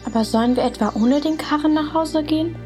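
A woman performs an older peasant sister in a historical radio drama, a reluctant girl. Her voice sits rather high, with music clearly behind it. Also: fairly quick, lightly acted. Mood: resigned.

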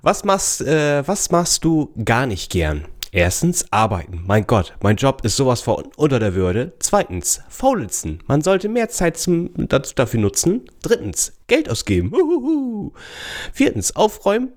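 A man's voice: medium pitch, wildly swooping pitch, unhurried. A man co-hosting a casual podcast, playfully reading quiz questions with theatrical flair. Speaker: podcast co-host, quizmaster.

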